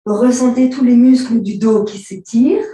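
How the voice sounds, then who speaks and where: A woman teaching a yoga and stretching class, giving slow, calm instructions and often clearing her throat. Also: a little high. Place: large room during an online class. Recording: very echoey room, far from the mic.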